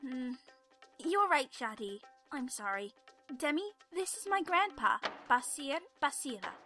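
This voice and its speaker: A woman playing an eager, naive young student, perky, chatty and excitable, in an audio drama. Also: high voice, unhurried, over music, full character voice. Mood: puzzled.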